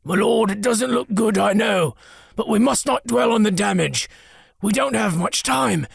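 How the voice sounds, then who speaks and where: A man voicing a big, loyal, formal bodyguard with a gravelly, husky voice. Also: high voice, a little slow, dry recording, studio quality, voice pushed up, heavily acted. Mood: soothing. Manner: formal and dutiful, calls his master "my lord".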